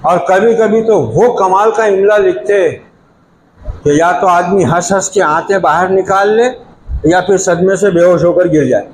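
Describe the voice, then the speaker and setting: A male preacher delivering a sermon in a high, keen voice, scolding and emphatic as he drives each point home. The sound rings with room echo, and a faint hiss sits under it. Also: a little slow. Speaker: Islamic preacher. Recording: echoey room.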